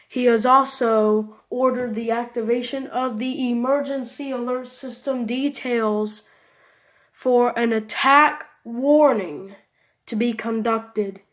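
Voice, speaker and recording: High-voiced, slow-speaking woman announcer. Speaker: emergency broadcast announcer. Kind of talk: improvised mock emergency broadcast.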